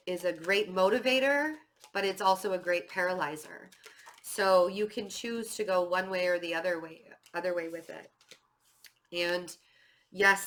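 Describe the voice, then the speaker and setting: A woman's voice: fairly low pitch, fairly bright tone. A woman with a stuffy, slightly nasal voice giving a casual tarot reading to camera, chatty and full of fillers, nervous and fidgety. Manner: chatty, filler-heavy, with many "um" and "like"; self-described nervous and fidgety. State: stuffy nose from a cold. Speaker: tarot reader.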